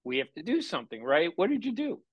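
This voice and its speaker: A man's voice: fairly high pitch, wildly swooping pitch, quick pace, slightly rough, no echo, lo-fi sound. A man hosting a radio interview show, asking leading questions and setting the scene for his listeners. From USA.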